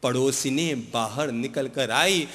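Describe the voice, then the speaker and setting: A man preaching a sermon, telling a story with acted dialogue, swinging between loud emphatic peaks and soft low passages. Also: takes it slowly, in a large hall. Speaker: Jain monk preacher.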